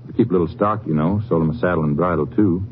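A man's voice: low voice, fast, natural voice. A man acting a folksy, evasive livestock barn owner with a rural American accent in a 1950s western radio drama. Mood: nervous, evasive. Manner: folksy, hesitant, stammering under questioning. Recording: tinny noisy old radio recording.

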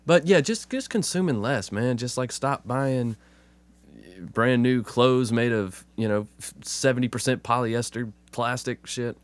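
A man, hoarse from a cold and with a rough voice, chatting casually and swearing freely as a podcast co-host. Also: medium pitch, unhurried, no echo. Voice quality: rough, smoker-like voice. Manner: laid-back, swears casually, says "man" a lot. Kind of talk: casual chat.

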